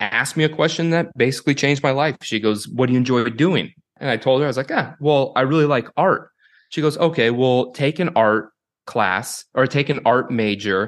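This man has a plain, everyday voice at medium pitch. He speaks at a moderate pace with ordinary pitch variation. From US Pacific Northwest (Puyallup, Washington). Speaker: artist. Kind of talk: casual interview.

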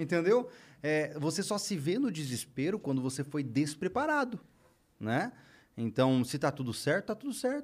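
A man with a fairly high voice and very wide pitch swings, on a very clean recording with a silent background. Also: moderate pace. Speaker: survivalism youtuber. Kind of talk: casual chat.

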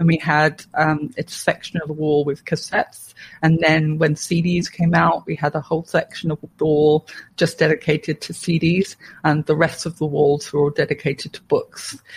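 With an English accent, a woman speaks at a very deep, low pitch at a moderate pace. Her voice is somewhat breathy, with fairly even intonation. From England. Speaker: musician and podcaster. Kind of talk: interview, personal story. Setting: live stream.

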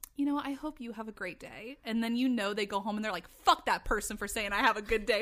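Racing at a very fast pace, a woman talks in an animated, bright, sharp tone at a fairly high pitch, with big swings in loudness. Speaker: podcast co-host. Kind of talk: casual chat.

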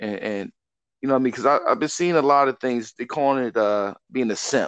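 A man with an American accent talks in an unremarkable speaking voice at a medium pitch with ordinary pitch variation, the sound dry and close with no echo and a quiet background. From US South. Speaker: podcast host. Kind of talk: casual interview chat.

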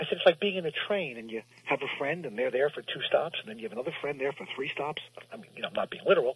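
Lively intonation and big swings in loudness mark this man's very fast delivery. Noticeable background noise runs underneath. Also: fairly high pitch for a man. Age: 60s. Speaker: musician from a 1970s band. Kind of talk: interview.

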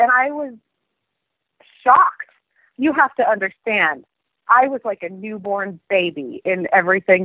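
With long, frequent pauses and very wide pitch swings, a woman speaks at a moderate pace. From New Mexico. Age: 30s. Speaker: lawyer and runner. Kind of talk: personal testimony.

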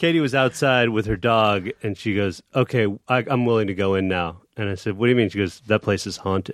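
A man with an American accent has an unremarkable speaking voice, fairly low in pitch with ordinary pitch variation. He talks at a fairly quick pace with hardly any pauses, over a quiet background. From Chicago, US. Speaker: actor and director. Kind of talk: casual chat.

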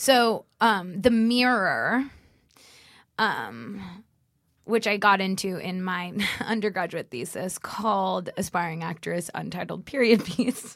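A woman's very slow, lively-toned speech in an American accent, medium in pitch, with vocal fry and big swings in loudness. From Los Angeles. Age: 20s. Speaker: comedian and actress. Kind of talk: casual interview chat.

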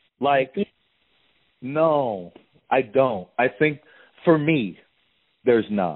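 A man's medium-pitched voice at a very slow pace, broken by long, frequent pauses. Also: lively intonation. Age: 40s. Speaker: hip hop music producer. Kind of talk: casual chat.

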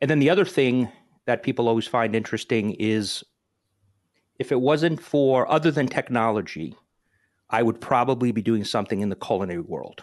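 A man of medium pitch with lively intonation, a fairly quick pace and long, frequent pauses, over a quiet background. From northern New Jersey, US. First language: Greek. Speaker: podcast host and tech innovation strategist. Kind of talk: interview, casual conversation.

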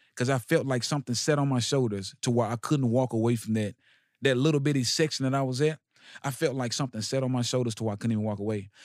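Very fast and animated in tone, a man at a medium pitch is heard in a dry, close sound with no echo on a very clean recording with a silent background. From Jackson, Tennessee. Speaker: rap artist. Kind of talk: casual interview, testimony. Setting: studio.

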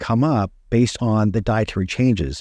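A normal speaking voice in an American accent, ordinary pitch variation, and a quiet background. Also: man. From West Virginia, near Ohio and Pennsylvania border. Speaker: health sciences professor. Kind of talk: interview conversation.

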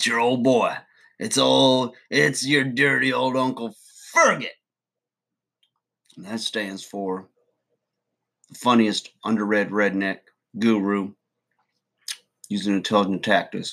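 A man puts on a raspy character voice at a medium pitch, with fairly even intonation. He speaks at a fairly slow pace, leaving long, frequent pauses. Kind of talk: casual, jokey, channel intro.

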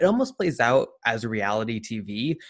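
A man with an American accent in a normal speaking voice, medium-pitched and moderate in pace, over a quiet background. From US. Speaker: film critic. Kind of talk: casual chat.

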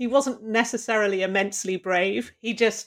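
A woman with a London accent, at a fairly slow pace. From London, England. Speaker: poet and fiction writer. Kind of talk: interview. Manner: halting.

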